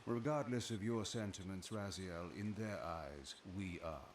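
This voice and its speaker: An actor playing a scheming ancient vampire lord in a video game, with a grave, deliberate, theatrical delivery. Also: male voice, low voice, reverberant, slight background noise. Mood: grave warning. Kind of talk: dramatic video game voice acting.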